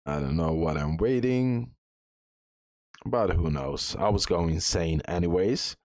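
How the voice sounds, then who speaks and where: A man's voice: low voice, unhurried, a little mellow, no room sound, studio quality. A man giving a casual gameplay walkthrough as a guide host, thinking aloud as he goes. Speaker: gaming guide creator, host.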